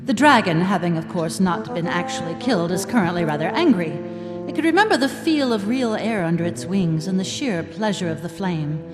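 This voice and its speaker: A woman's voice: on the low side, animated, fairly quick, close to an everyday voice. A woman performing as a wry, arch narrator in a live audio play, with theatrical delivery. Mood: dramatic. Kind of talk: dramatic scripted narration. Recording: live hall reverb, music behind.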